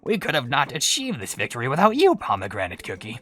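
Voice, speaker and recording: A woman voicing a grand enchantress cookie in a video game cutscene, with drawn-out, magnanimous delivery. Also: rumbling low, wildly swooping pitch, fairly bright tone, heavily acted. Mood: regal, grateful. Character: regal dark enchantress cookie, sweetly magnanimous in a dream. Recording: game audio with music behind.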